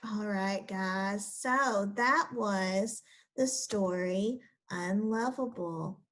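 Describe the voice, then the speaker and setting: A young woman teacher reading a children's picture book aloud and then talking through its lesson with her class. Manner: slow, expressive storybook reading with lively pitch.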